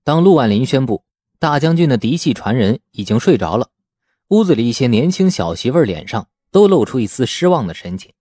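A man narrates a novel in a dramatic, storytelling style. His medium-pitched voice moves up and down freely. The recording is close, with no room sound. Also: a little fast, slightly rough, no room sound. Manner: expressive storytelling. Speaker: audiobook narrator.

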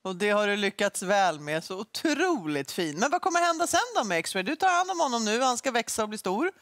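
A woman's voice: medium pitch, big pitch swings, fairly bright tone, dry recording, studio quality. A woman hosting a casual TV interview in a gushing, exclamatory way. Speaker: morning show host. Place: TV studio.

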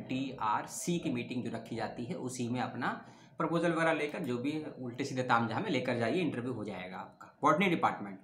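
A man's voice: mid-range voice, slight background noise. A man hosting an education channel, talking casually as he reads out lists and corrects his own slips aloud. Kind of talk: casual informational talk reading out lists. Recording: roomy echo.

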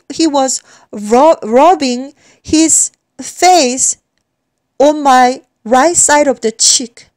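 A woman from South Korea with a Korean accent, giving an earnest religious testimony in halting English, often repeating and restarting words. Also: high-pitched, darkish tone, dry recording.

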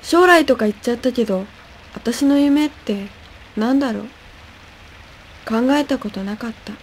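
A young woman playing an earnest, stressed high-school senior girl in an amateur radio drama. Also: normal speed, a little hiss or hum, lightly acted. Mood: downcast, reflective. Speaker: student radio drama actor.

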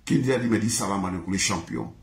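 A man's voice: low voice, very animated, fast, gravelly. A man singing in a repetitive, chanted, sing-song way. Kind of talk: chanted song in mixed languages. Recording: echoey room.

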